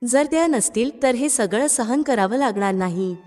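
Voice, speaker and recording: A woman's voice: on the high side, lively intonation, normal speed, a little mellow, natural voice. A woman narrator voicing a scheming, resentful young wife in a storybook, reading her lines in a plain voice. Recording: long reverb with background music.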